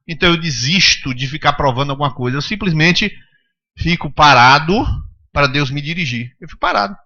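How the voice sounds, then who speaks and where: A man's voice: a little high, bright, forceful tone, lo-fi sound. A male pastor preaching a sermon, emphatic, pressing the congregation with rhetorical questions.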